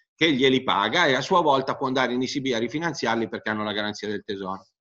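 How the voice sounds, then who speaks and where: In a quiet background, the man's speech comes out very fast. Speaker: remote guest. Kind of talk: interview answer. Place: home room. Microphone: video call.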